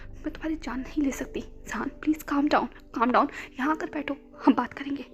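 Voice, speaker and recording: A woman voicing a calm, firm woman psychiatrist who speaks soothingly. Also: high voice, brisk, lo-fi sound, close to an everyday voice.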